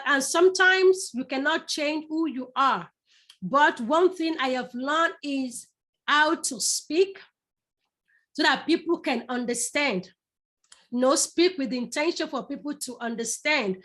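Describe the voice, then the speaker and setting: A middle-aged woman from Nigeria with a Yoruba accent leads a public speaking masterclass, talking straight to her audience. Her voice sits high, and she stresses her points by repeating words several times over. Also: fairly bright tone. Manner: repeats words for emphasis, addresses the audience directly. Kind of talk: live online masterclass.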